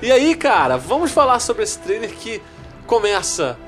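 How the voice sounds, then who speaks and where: A man co-hosting a casual podcast, talking excitedly and stumbling over repeated words. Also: high voice, a little slow, faint music behind. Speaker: podcast co-host. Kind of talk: casual nerd podcast chat.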